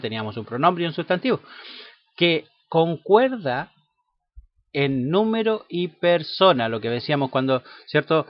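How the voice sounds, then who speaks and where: Guy giving a grammar lesson, real slow, lots of ums and "right?", dry dull-sounding mic. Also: on the high side, dry recording. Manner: slow and halting, many fillers and tag questions. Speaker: language teacher.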